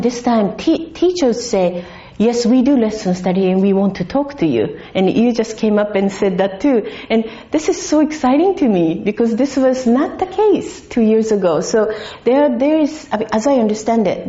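A woman gives a guest lecture to a full hall, her voice mellow and warm. She talks chattily, restarting phrases and polling the audience. The sound is a bit dull and lo-fi. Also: fairly high pitch, animated, moderate pace, hardly any pauses. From Japan. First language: Japanese. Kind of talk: conference talk to an audience.

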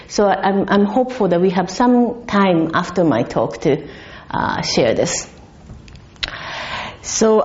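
A woman gives a guest lecture to a full hall, her voice mellow and warm. She talks chattily, restarting phrases and polling the audience. The sound is a bit dull and lo-fi. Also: mid-range voice. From Japan. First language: Japanese. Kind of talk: conference talk to an audience.

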